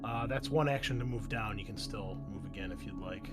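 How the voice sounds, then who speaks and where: A man's voice: on the low side, fairly quick, over loud music. A man running a tabletop game as game master, informal and thinking aloud as he narrates and checks rules.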